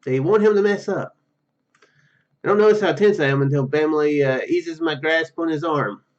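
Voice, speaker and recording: A man's voice: on the high side, moderate pace, highs cut off. A man reading a visual novel aloud and commenting casually, often stumbling over his words. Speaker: gaming YouTuber.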